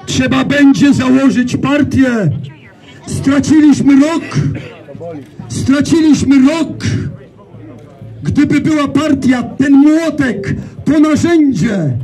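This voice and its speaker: A man with a Polish accent giving a fiery, slow, emphatic speech to an outdoor gathering, shouting much of it. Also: extremely high pitch, some chatter behind, rough recording. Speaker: rally speaker.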